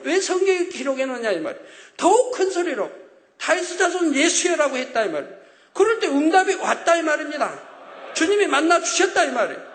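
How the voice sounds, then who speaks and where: A male pastor preaching a sermon with emphatic, repeating phrases that rise to loud exclamations. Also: very high-pitched. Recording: echoey hall with long reverb.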